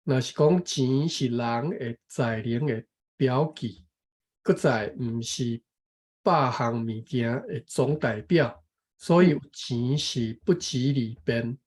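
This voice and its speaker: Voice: mid-range voice, slow, darkish tone. A speaker from Taiwan reading a text aloud and explaining it, careful and correcting pronunciation syllable by syllable. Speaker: co-host and reading teacher.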